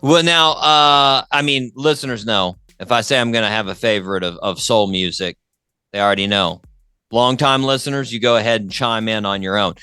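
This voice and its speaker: Male interview host. Bright, forward voice, very dry sound, chatty, keen, repeats himself. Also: lowish voice, normal speed, clear, resonant tone, no echo. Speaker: talk show host. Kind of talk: casual music interview chat.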